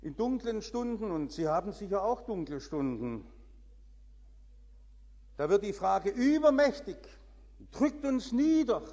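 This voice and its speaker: A man preaching a sermon in slow, emphatic phrases with dramatic swings in pitch. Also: sing-song, dark tone, lo-fi sound. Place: church. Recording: long church reverb.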